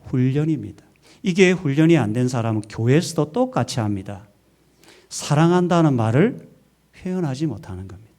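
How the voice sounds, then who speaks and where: A man's voice: medium pitch, animated, normal speed, warm tone. A male pastor preaching a Sunday sermon in a church, emphatic, asking rhetorical questions and leading the congregation to repeat after him. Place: church sanctuary.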